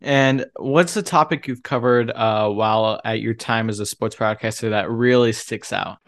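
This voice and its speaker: A man's voice: fairly low pitch, normal speed, dry recording, clean studio sound. A young man, a student, asking a radio host polite, slightly hesitant interview questions.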